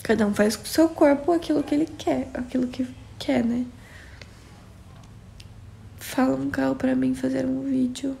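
A woman's voice: sits high, fairly even intonation, moderate pace, vocal fry, pauses often, mellow, slight background noise. A young woman from Brazil with a São Paulo accent, casually chatting on a phone livestream and answering viewers by name. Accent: São Paulo Portuguese. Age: young adult. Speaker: livestream host. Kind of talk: casual live chat reading viewer comments.

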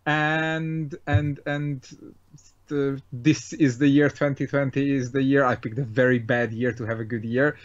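A man in his thirties with a Hungarian accent, a guest on a video call. His mid-pitched voice comes through slightly dull call audio, and he jokes in a dry, self-mocking way. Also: level tone, unhurried. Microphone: webcam over video call.

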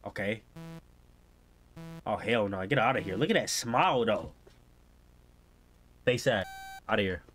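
A young American man streams from an indoor room at home, giving casual, slangy reactions to a game and often exclaiming. His voice is fairly low and a bit bright, unhurried with frequent pauses, over a little hiss or hum.

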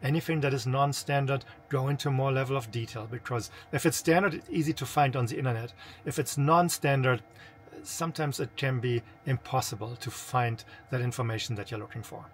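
A man's voice: mid-range voice, fairly quick. A man in his fifties with a non-native English accent, a senior manager giving informal, explanatory advice to camera in a conversational way. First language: not English. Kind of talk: informal instructional talk to camera. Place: small camper interior.

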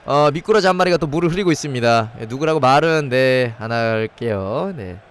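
A man streaming a football game live with a head cold and sore throat, joking in a mock nightclub-waiter patter and shouting excitedly at shots on goal. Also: medium pitch, fairly quick, soft background music. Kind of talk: live gameplay commentary.

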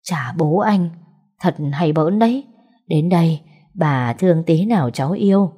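Woman reading as a doting old grandmother, low and husky, storybook. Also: animated, unhurried, dark tone. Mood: teasing. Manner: scolding yet doting. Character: older grandmother, fussing and kindly.

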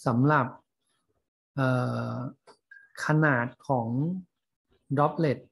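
A man teaching a class, explaining English terms in a scientific paper slowly with frequent fillers and pauses. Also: mid-range voice, steady tone, husky. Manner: slow, halting, many fillers. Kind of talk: lecture on reading scientific English.

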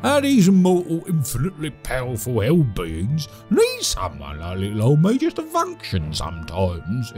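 Rambling, animated British manor servant. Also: male voice, mid-range voice, normal speed, hardly any pauses, music in the background. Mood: cheerful, upbeat. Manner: rambling, stammering, chuckling. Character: chatty, cheerful, oft-killed manor servant named Todd. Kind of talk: audio drama monologue.

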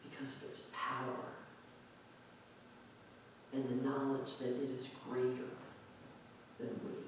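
A male pastor giving a reflective, conversational sermon in a church sanctuary, drawing out key words slowly for emphasis. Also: mid-range voice, monotone, slight background noise. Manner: reflective, conversational preaching with slow drawn-out emphasis. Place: church sanctuary with pipe organ, indoors. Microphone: far camera at back of sanctuary. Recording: very echoey church hall from far off.

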